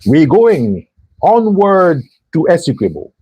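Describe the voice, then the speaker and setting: Addressing his viewers head-on, this commentary show host delivers a forceful political monologue and mimics others in mocking voices. He speaks slowly in a highish, dark, breathy voice whose pitch swoops wildly.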